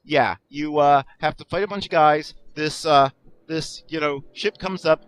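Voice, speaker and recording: A man talking over his own gameplay in a somewhat high voice, rambling and self-deprecating. He restarts sentences often and drops in sarcastic asides. Faint music plays underneath. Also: unhurried, smooth. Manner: sarcastic jokes. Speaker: let's play commentator. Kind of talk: casual gameplay commentary.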